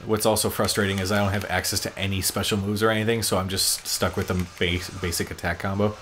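A man's voice: sits low, flat delivery, a bit bright. Man commentating over noisy gameplay. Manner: explanatory, halting while playing. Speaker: gaming show co-host and player.

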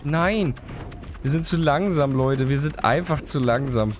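A man's voice: medium pitch, a little slow, over music. A man with a cold, chatting casually while playing a game and talking to the characters on screen. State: has a cold, coughing. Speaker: let's play host. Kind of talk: casual gameplay commentary.

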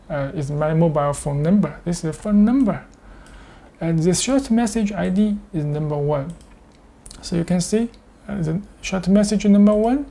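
A man demonstrates a product step by step in halting English. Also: high voice, gravelly, dark tone. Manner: step-by-step, halting non-native English phrasing. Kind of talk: screen-share tutorial with live demonstration.

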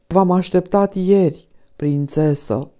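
A woman reading an audiobook voices a sickly, irritable male painter who speaks hoarsely and with agitation. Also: on the low side, dark tone, lightly acted. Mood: irritated. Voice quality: hoarse, strained. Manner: agitated, exasperated.

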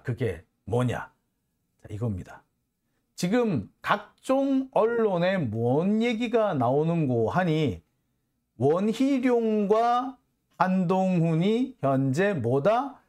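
A man's voice: on the high side, a little mellow. A man hosting a political commentary show, delivering an angry, sarcastic monologue full of curses and sighs. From South Korea. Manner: heated, cursing, sarcastic, sighing.

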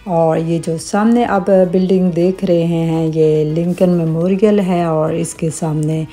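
A middle-aged woman narrating her family travel vlog as a calm voice-over, with religious greetings and small hesitations. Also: on the low side, a little slow, faint music behind. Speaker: vlogger.

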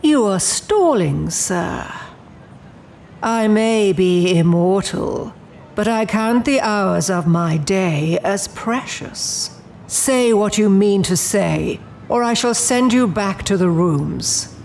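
A woman's voice: mid-range voice, animated, slow pace, vocal fry, darkish tone, slight background noise. A woman playing a poised, menacing immortal demon in an audio drama, speaking in a genteel, coolly imperious way. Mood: cold menace.

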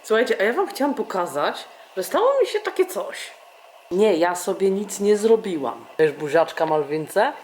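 Excitable mother filming her baby. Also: fairly low pitch, slight background noise. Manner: animated, exclaiming, laughing, talking to baby. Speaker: vlogger mother. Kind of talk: casual home vlog. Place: home indoors.

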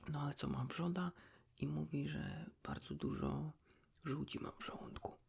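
A man speaking in a hushed, breathy whisper, chatting casually and confidingly as if to a friend in an ASMR style. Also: a little high, steady tone, moderate pace. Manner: colloquial, rambling, ends phrases with a tag question. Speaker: ASMR creator talking to the listener as a friend.

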